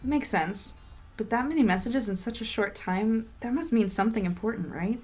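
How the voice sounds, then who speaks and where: A woman's voice: a little high, moderate pace, darkish tone, breathy edge, soft background music. A woman playing a wry, troubled young reporter in an audio drama, speaking with dry, understated sarcasm. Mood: wry, probing. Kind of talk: audio drama acting, diary-like monologue and dialogue.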